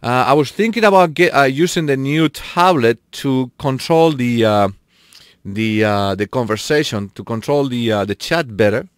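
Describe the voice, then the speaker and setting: A man's voice: mid-range voice, lively intonation, moderate pace, smooth, no room sound, clean studio sound. A man live streaming a racing game, chatting casually with his viewers and laughing often. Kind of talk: casual live-stream chat while gaming.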